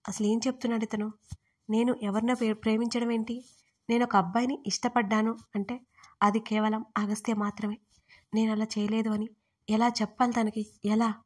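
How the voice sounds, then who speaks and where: A woman storyteller reading a first-person audio story in a steady, earnest way. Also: fairly high pitch, breathy edge. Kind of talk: scripted first-person narration.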